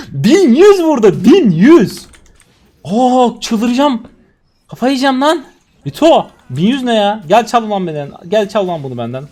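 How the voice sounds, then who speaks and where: A young man from Turkey commentates his own gameplay for a stream. His voice sits a little high and leaps around, going from low asides to loud bursts. Keys clack faintly behind him. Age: 20s. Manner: swings from muttering to shouting and laughing.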